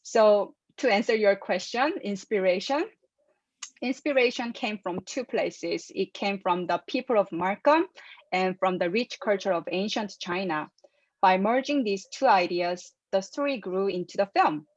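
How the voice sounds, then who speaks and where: A woman's voice: mid-range voice, unhurried, no echo. A woman explains her ideas carefully and earnestly, her shaping her English. The video-call audio is dull and lo-fi, with no room sound around her voice. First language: Korean. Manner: careful, earnest, soft laughs between points. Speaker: filmmaker guest. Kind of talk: interview answers.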